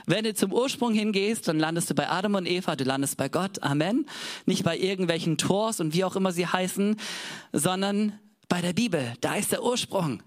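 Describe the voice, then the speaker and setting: A man's voice: sits high, moderate pace. A man preaching a sermon to his congregation, speaking with passion and emphasis and often asking them rhetorical questions.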